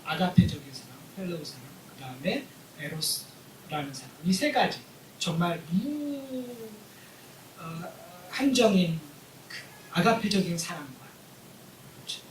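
A male pastor delivering a sermon, his voice carrying from a distance through a reverberant hall. He poses questions to the congregation and moves between quiet, hushed remarks and loud, emphatic ones. A faint low rumble sits under the recording. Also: expressive, measured pace. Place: church hall.

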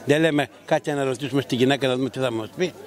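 Blunt old-school older market vendor. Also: male voice, mid-range voice. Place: outdoor market.

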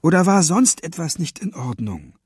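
A man's voice: fairly high pitch, sing-song, normal speed, darkish tone, husky, dry recording, studio quality, voice pushed up, exaggerated voice. A man reading aloud and voicing a strict, questioning male bank cashier.

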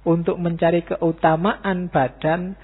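A middle-aged man with a Javanese accent gives an informal philosophy lecture in a mosque hall, teaching in a relaxed way with joking asides. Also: fairly high pitch, takes it slowly, breathy edge. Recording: echoey hall, thin phone-like sound.

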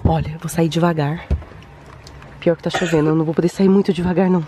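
A Brazilian woman, a mother, narrating a dramatized family vlog in an anxious, hushed manner that turns frantic. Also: sits low, steady tone, fast, a little hiss or hum. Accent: Brazilian Portuguese. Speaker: vlogger and mother.

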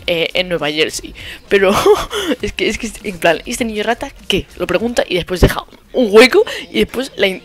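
Young Spanish gamer mocking hater comments. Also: male voice, on the high side, fairly bright tone. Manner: mocking, repeats insults with sarcasm. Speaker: gaming youtuber. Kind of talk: casual commentary over gameplay.

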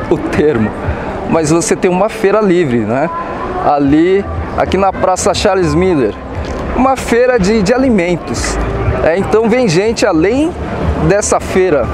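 A middle-aged man with a Brazilian Portuguese accent, giving a halting, explanatory walk-through commentary to camera in a casual style. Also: high-pitched, background noise. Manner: halting, explanatory, often seeking agreement with tag words. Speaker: accessibility vlogger. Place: on location at a stadium, outdoors then indoor concrete halls and restroom.

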